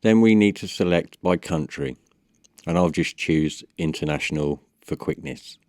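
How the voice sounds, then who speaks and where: A man with a low-pitched voice presents a step-by-step software guide. His delivery is measured and instructional. The sound is dry, with very little room in it. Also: no room sound. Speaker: tutorial presenter. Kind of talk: step-by-step software tutorial voice-over.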